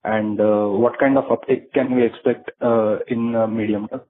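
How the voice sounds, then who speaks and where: A male financial analyst asking questions on an earnings call in a halting, deferential way. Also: medium pitch, fairly even intonation. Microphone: phone call. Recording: narrow tinny phone line.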